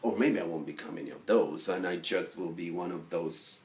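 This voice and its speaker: A man performing a monologue as a neurotic, self-deprecating, lovelorn forty-year-old who rambles haltingly. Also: low-pitched, darkish tone, pitched below the performer's own voice. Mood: subdued, musing. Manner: halting, rambling, full of fillers and restarts. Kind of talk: dramatic film monologue acting. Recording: roomy echo with faint background noise.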